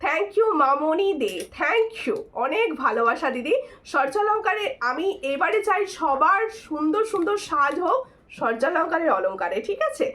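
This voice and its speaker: A woman with a hoarse voice hosting a live jewelry sale, chatty and repetitive, thanking viewers and urging them to take screenshots. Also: sits high, very animated, normal speed, a bit bright. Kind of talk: live-stream sales pitch.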